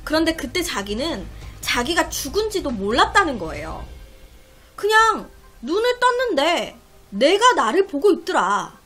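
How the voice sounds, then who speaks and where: A woman's voice: high-pitched, big pitch swings, measured pace, fairly bright tone, faint music behind. A woman telling a mystery story to her viewers, dramatic and chatty, with asides to the audience. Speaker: storytelling YouTuber. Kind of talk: narrating mystery stories.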